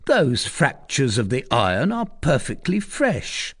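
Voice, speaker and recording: A man's voice: medium pitch, wildly swooping pitch, takes it slowly, husky, voice pushed up, full character voice. A man voicing an eager, self-satisfied soldier pointing out evidence. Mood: pointed.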